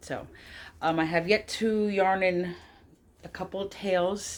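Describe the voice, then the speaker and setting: In a plain, everyday voice, a woman speaks at a fairly slow pace and fairly low pitch on a very clean recording with a silent background. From New York City. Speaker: crafting YouTuber. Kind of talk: casual show-and-tell vlog. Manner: lots of ums, chatty.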